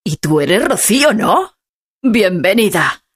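A woman's voice: mid-range voice, sing-song, takes it slowly, husky, heavily acted. A woman voicing a proud, cheerful old grandfather with a hearty, friendly manner.

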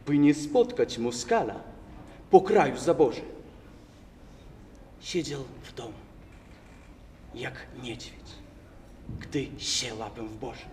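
A young man declaiming verse at a contest with expressive, swelling delivery. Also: medium pitch, slow, long pauses, slight background noise. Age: young adult. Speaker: recitation contestant. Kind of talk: dramatic verse recitation. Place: large hall, stage. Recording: echoey hall from far off.

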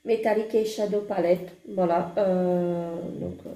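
A woman with a hoarse voice, chatting hesitantly through a makeup haul with many fillers and gushing exclamations. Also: lowish voice, steady tone, a little slow, mellow, roomy sound. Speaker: beauty vlogger. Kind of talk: casual makeup haul chat. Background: construction noise.

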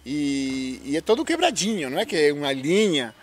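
A chatty Uruguayan man in his forties tells stories as a guest, with a Uruguayan Spanish accent and a fairly high voice. He talks into a handheld mic outdoors in a backyard. Faint noise sits behind him. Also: very animated, normal speed. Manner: chatty, laughs while telling stories. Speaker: interview guest, musician. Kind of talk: casual interview talk. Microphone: handheld microphone.

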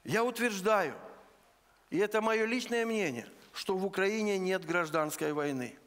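A man from eastern Ukraine preaching a sermon in a church, earnest and deliberate, laying out his points one by one. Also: sits high, animated, fairly bright tone. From Luhansk region, Ukraine. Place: church sanctuary. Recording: long church hall reverb.

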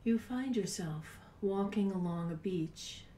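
A woman in her sixties leading a guided meditation in a soft, breathy, unhurried voice with long pauses, at times near a whisper. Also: medium pitch. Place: small home room, indoors. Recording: roomy, distant mic with background noise.

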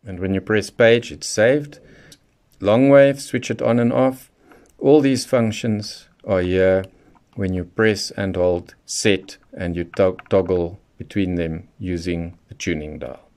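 A man with a fairly low voice presents a hands-on how-to guide. He speaks in a methodical, instructional way, taking the listener through each step in order. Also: slow, a little mellow. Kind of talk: hands-on product tutorial, explaining step by step.

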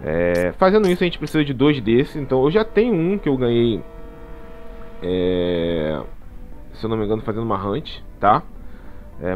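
In a muffled recording, a man with a mid-range voice and a Brazilian Portuguese accent casually walks through a game as a gaming channel host. His chatty voice-over runs over game capture, with "tá?" tacked onto nearly every phrase.

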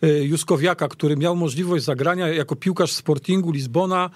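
A man casually discussing football as a radio pundit, halting and repeating words as he searches for them. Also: a little high, no echo. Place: radio studio.

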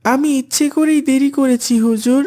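A woman's voice: high-pitched, fairly even intonation, moderate pace, mellow, natural voice. A woman voicing a dutiful, devout young boy in a cartoon, polite and earnest.

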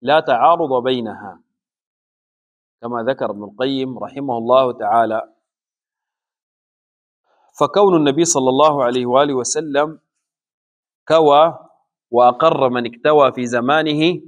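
Male scholar, mid-range voice, unhurried measured delivery for a recorded lesson. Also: medium pitch. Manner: slow deliberate explanation with pauses. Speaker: Islamic scholar teaching a book.

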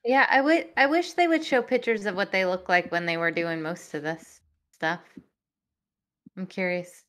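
A woman's voice: on the low side, normal speed, a bit bright. A woman co-hosting a casual science podcast, often laughing and tossing in joking remarks. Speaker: podcast co-host. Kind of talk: casual chat.

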